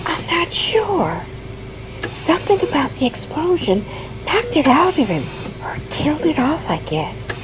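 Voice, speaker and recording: A woman plays a casual hospital worker in an audio drama. Her high voice moves up and down freely, in a conversational, matter-of-fact way. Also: huge pitch swings, a little slow, full character voice, low-quality recording. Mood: gossipy, sympathetic. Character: casual hospital staffer woman passing on patient news.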